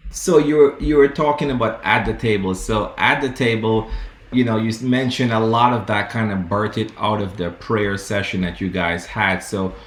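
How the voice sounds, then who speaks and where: A man from Guyana interviewing a musician in a relaxed, enthusiastic way. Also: fairly low pitch, moderate pace, reverberant. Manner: enthusiastic, affirming listener. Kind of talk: casual interview.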